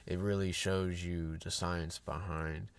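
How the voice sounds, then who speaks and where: A man's voice: low voice, little pitch movement, slow. A man hosting a fitness podcast in a casual, rambling monologue, sounding a bit congested. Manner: upbeat, rambling with fillers and restarts.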